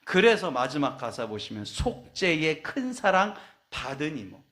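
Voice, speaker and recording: A man's voice: fairly high pitch, big pitch swings, measured pace, a bit bright. A male pastor preaching a sermon, acting out quoted confessions and prayers in different voices.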